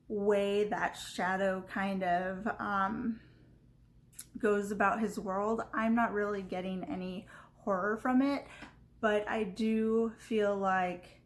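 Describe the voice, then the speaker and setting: A woman with a Californian Valley Girl accent talks off the cuff, as if for a video review. Her delivery is unhurried and thoughtful, with halting phrases and casual filler words. Her voice sits at an ordinary middle pitch. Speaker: book reviewer.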